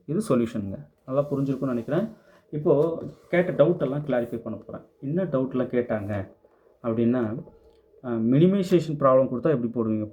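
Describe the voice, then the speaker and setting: A man in the middle of a maths lesson, leading students through a solution one careful step at a time. His voice is mellow and relaxed, with an ordinary middle pitch. He explains patiently and drops English technical terms into his talk. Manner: methodical, step-by-step, mixes English terms into Tamil; answers students' doubts in a patient tone. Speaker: maths teacher. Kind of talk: explaining worked problems in class.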